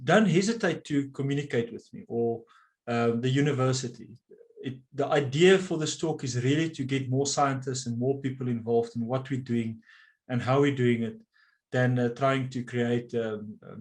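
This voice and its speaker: A man with a South African accent whose first language is Afrikaans, speaking over a video call at a middling pitch. He talks in halting stretches, full of fillers and restarts, as he closes a talk and moves into questions. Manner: hesitant, lots of fillers and restarts. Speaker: conservation scientist giving a talk. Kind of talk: closing remarks and Q&A answer.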